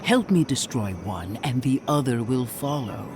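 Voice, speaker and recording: A man playing a stern, righteous, zealous commander with a deliberate, declamatory manner in a fantasy game. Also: medium pitch, animated. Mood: zealous, hushed intensity. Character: stern, zealous male commander, crusading against corruption. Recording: game audio with music behind.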